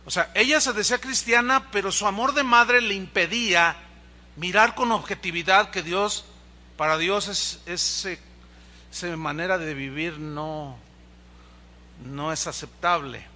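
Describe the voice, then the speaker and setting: A man preaching a sermon as pastor, animated and acting out dialogue with rising and falling pitch. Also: a little slow.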